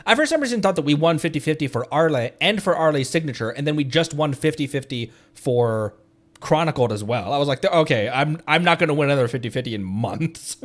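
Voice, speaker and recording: A man streaming a game from home, chatting casually, excitable and rambling, laughing often as he talks. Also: a little high, brisk. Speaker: VTuber streamer. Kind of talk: casual gameplay chat.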